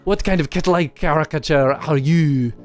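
A man's voice: on the high side, moderate pace, soft background music, lightly acted. A man voicing a pompous male black cat philosopher in a put-on French accent. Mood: haughty. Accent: fake French accent.

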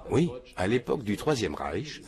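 An older man sits in a small room answering documentary interview questions, matter-of-fact and earnest. His voice is on the low side, a little mellow and very animated, at a normal pace, picked up by a film crew mic off camera.

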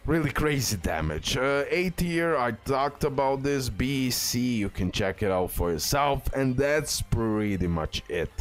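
A man's voice: mid-range voice, lively intonation, unhurried, hardly any pauses. A man talks as a gaming YouTuber, running through rankings in a casual commentary style. His delivery is informal and hyped, leaning on emphatic superlatives. Faint music plays behind his voice. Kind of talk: casual game tier list commentary. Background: background music.

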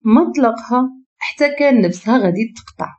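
A woman with a Moroccan accent narrating a dramatic story in an expressive, emotive way. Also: fairly high pitch, a little fast, lo-fi sound.

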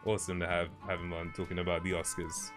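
A man's voice: low-pitched, level tone, fast, music in the background. A young man streaming from home on a headset, chatting casually and laughing easily with his chat. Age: young adult. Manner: laid-back, laughs often, chatty with chat. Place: home streaming room, indoors.

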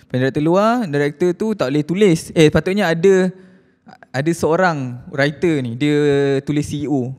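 A man's voice: a little high, normal speed, a little mellow. Laid-back young man in a reverberant room. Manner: laid-back, slangy, candid. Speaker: podcast co-host. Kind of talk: casual chat. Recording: long hall reverb.

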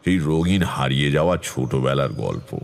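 An actor playing a brooding tantric storyteller, narrating an eerie village tale in a measured, dramatic way. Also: male voice, a bass voice, lively intonation, creaky, exaggerated voice. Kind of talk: dramatic first-person horror narration.

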